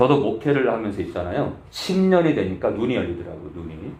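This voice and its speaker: A man with a medium pitch talks at a very fast pace, somewhat breathy, his pitch swinging very widely amid audible room echo. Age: 50s. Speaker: pastor. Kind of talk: sermon.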